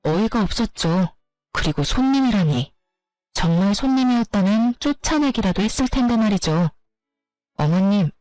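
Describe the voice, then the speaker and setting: A woman's voice: mid-range voice, a little mellow, no echo. A woman narrating a dramatized first-person story in a blunt, indignant, confiding way.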